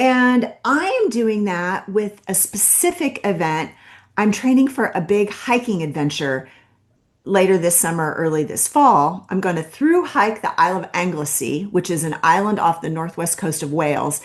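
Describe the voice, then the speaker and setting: A woman with a normal speaking voice, medium pitch, lively intonation and moderate pace, against a quiet background. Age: 50s. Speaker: life and health coach. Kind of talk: podcast interview.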